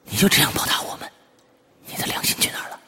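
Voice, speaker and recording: A man voicing a deranged middle-aged man who growls hoarsely, shouts, whispers and laughs manically. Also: quick pace. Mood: raving.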